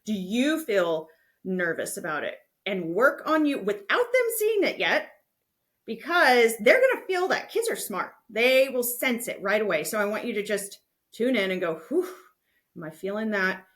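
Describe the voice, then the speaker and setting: A woman's voice: mid-range voice, very animated, normal speed, a bit bright. A woman hosting a podcast, explaining things to parents in a conversational, instructive and reassuring way. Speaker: podcast host.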